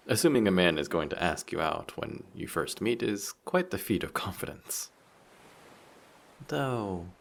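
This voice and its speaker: In a roleplay audio drama, a man voices a handsome, vain, flirtatious sea monster passing himself off as a passenger. His exaggerated delivery is low, creaky and fairly bright, and his manner is polite, formal, teasing and self-assured, sounding amused and flirty.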